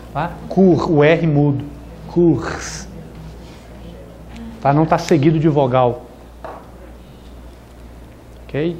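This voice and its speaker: A man teaching a classroom lesson, who repeats each word and ends his phrases with "né?" and "tá?". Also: high-pitched. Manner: slow and deliberate, repeating words and ending with "né?" and "tá?". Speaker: Hebrew teacher. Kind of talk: classroom lecture.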